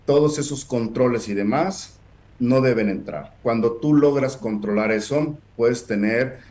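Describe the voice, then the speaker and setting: Mid-pitched male guest, measured and explanatory, pausing often. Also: a little mellow. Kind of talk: casual online debate.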